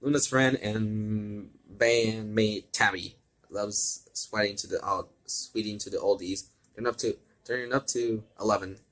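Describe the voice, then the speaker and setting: Guy doing a bossy young woman from a fanfic, low voice, matter of fact, splitting up the jobs. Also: steady tone, measured pace, a bit bright, low-quality recording. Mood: brisk, decisive.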